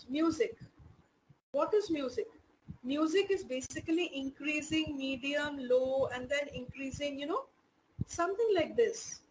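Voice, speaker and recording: A woman's voice: high-pitched, a little hiss or hum, low-quality recording. A woman teaching an online class in Indian English, explaining patiently with many "you know" fillers.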